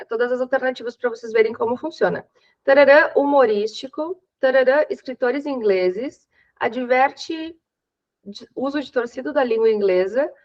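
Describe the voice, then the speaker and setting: Young woman, Brazilian Portuguese accent, high-pitched, English teacher, chatty step-by-step explaining, dull lo-fi audio. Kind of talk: online exam-prep lesson.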